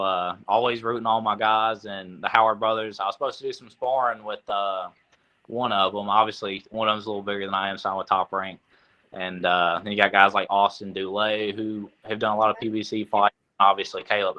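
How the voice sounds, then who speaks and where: Young boxer, bright voice, muffled audio. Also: male voice, on the low side, level tone, brisk. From Tennessee. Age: young adult. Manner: easygoing, lots of fillers. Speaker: boxer, guest. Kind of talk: casual interview answers.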